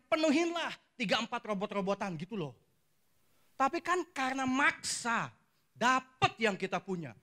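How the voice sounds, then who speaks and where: A man preaching a sermon, telling stories and calling out to the congregation for responses. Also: high voice. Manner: lively storytelling with call-and-response. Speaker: pastor.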